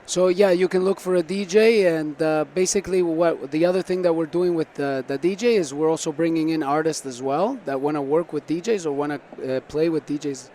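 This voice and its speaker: The founder, whose family is from Argentina and Venezuela though he was born in Canada, speaks fairly quickly with hardly any pauses in a mellow, high-side voice. He gives earnest, explanatory answers in a conversational interview, recorded against the bustle of a busy tech conference floor.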